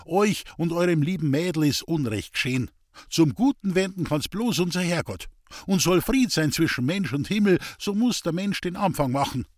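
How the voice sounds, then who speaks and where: A man's voice: on the high side, expressive, moderate pace, dry recording, studio quality, voice pushed up, natural voice. A man doing a coaxing Bavarian village priest. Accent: Bavarian dialect. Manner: coaxing, earnest.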